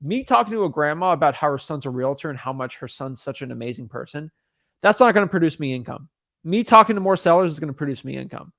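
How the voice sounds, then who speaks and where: Chatty man coaching, fairly high voice. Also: expressive, fast, creaky, a bit bright, no room sound, studio quality. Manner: rambling, repetitive, frequent fillers and restarts. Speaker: real estate wholesaling coach. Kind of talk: casual talking-head advice.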